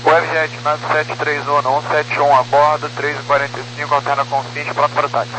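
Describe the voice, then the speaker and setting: A man's voice: a little high, completely flat delivery, fairly quick. A Brazilian man speaking as a pilot in clipped phraseology over crackly aviation radio. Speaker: airline pilot on air traffic radio. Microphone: radio transmission. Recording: crackly radio with humming noise.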